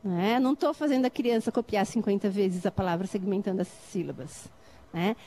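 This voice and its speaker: A woman's voice: mid-range voice, normal speed, dark tone. A middle-aged woman from Brazil on a debate panel, explaining literacy activities and often checking whether listeners follow. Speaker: lecturer on literacy teaching.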